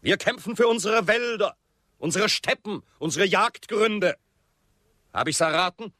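An actor playing an arrogant white railway chief in a radio drama, with a sardonic, rhetorical, theatrical way of talking. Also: male voice, high voice, a little slow, pushed and bright, dry recording, clean studio sound. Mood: mocking.

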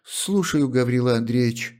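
A man voicing a timid young laundress in an audiobook, speaking quietly and submissively. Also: medium pitch, expressive, moderate pace, voice pushed up, natural voice. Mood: meek. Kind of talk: audiobook character reading.

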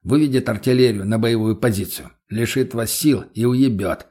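A man's voice: mid-range voice, moderate pace, dark tone, close to an everyday voice. A man voicing a cool, sardonic male gypsy mercenary who speaks dry and blunt.

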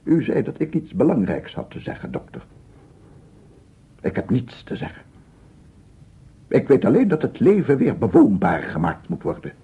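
An actor playing an unhinged, tormented scientist in a radio play, speaking haltingly and repetitively with a gravelly, husky voice. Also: male voice, medium pitch, huge pitch swings, full character voice. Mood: fervent. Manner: halting, repetitive, rambling, from murmurs to loud declaiming. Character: unhinged, tormented male scientist, a visionary sound researcher. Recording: narrow, phone-like old radio recording.

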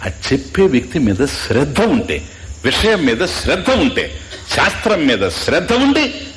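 Animated male spiritual teacher. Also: a little high, unhurried. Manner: keeps quizzing listeners, mixing in English asides. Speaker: Vedanta teacher. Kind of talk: spiritual discourse.

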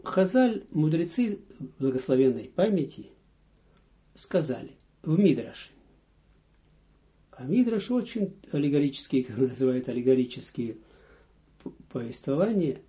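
A man teaches at an unhurried, deliberate pace, reading a line aloud and then unpacking it word by word. His voice is very dark and mellow, pitched a little higher than most men's, and it comes through a dull, muffled lo-fi recording. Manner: reads lines aloud, then explains them step by step. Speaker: rabbi teaching a text. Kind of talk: slow spoken Torah lesson. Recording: dull lo-fi audio lesson recording.

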